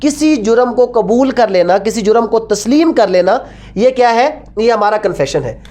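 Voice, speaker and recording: Pakistani woman teacher explaining stuff, highish voice, asks questions then answers them herself, repeats key bits. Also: expressive, moderate pace, warm tone. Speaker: law lecturer. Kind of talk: explanatory law lecture, code-switching with English.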